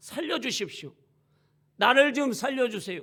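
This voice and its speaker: Projected and raised, the put-on character voice sounds strained, with lively intonation at a moderate pace. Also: man, extremely high pitch for a man. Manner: desperate, straining.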